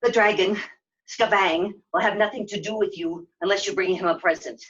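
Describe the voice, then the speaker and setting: A woman's voice: medium pitch, steady tone, normal speed, a bit bright, lightly acted. A woman voicing a blunt, cheeky creature sidekick in a puppet show, insistent in manner. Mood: brusque. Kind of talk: puppet show character acting. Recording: dull, lo-fi sound.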